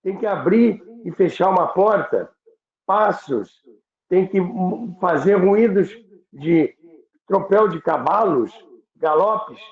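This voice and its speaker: This is conversational storytelling from a male radio history commentator with a Brazilian accent, who stresses points through repetition and lists. His voice sits high and sounds animated but slow, captured with a thin phone-like quality and a roomy echo.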